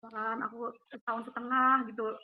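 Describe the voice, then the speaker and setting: A woman tells her faith testimony over a call, in an emotional, rushed, vivid way. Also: fairly high pitch, flat delivery. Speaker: guest giving a faith testimony. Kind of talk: casual storytelling over a call. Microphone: phone or video call. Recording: tinny phone line with faint hiss.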